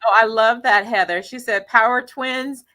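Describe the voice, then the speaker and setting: A woman's voice: on the high side, fairly even intonation. A tired woman casually co-hosting a live stream, giggling and agreeing often. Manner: slow, warm-hearted, giggly, many affirming "yeah"s. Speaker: tarot channel co-host.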